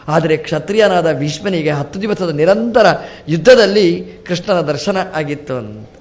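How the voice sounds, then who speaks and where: A man, a swamiji, giving a storytelling religious discourse with lively rises and drops and acted-out dialogue. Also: a little high, dull audio. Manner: animated, rising and falling sharply, quoting characters in dialogue. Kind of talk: storytelling sermon.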